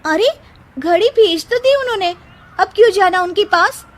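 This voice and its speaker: Brief: a woman doing a high, whiny, sugary young wife who schemes, storybook tone. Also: lively intonation, moderate pace. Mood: demanding. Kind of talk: storybook character voice.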